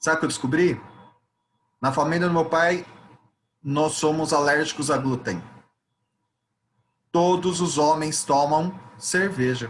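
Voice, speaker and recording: A man with a fairly high voice speaks at a fairly slow pace, holding a very even loudness, with long, frequent pauses and audible room echo. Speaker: therapy teacher. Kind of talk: lecture. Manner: animated.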